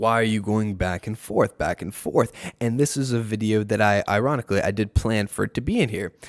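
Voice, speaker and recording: A man with a normal speaking voice talks at a fairly low pitch and a fairly quick pace, his intonation fairly even, in a very clean recording with a silent background and a dry, close sound with no echo. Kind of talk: political commentary reacting to clips. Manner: casual, skeptical.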